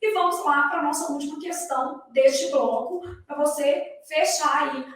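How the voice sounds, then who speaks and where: A woman's voice: high-pitched, measured pace, a bit bright. A woman with a Brazilian accent who teaches grammar to exam candidates. She explains in a didactic way and keeps asking her class rhetorical questions. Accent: Brazilian Portuguese. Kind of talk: recorded lecture for exam candidates. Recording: echoey room, voice far from the mic.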